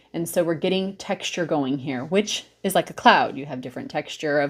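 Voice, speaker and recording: An unremarkable speaking voice with lively intonation comes through on a very clean recording with a silent background. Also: woman. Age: 40s. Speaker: makeup artist. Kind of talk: tutorial.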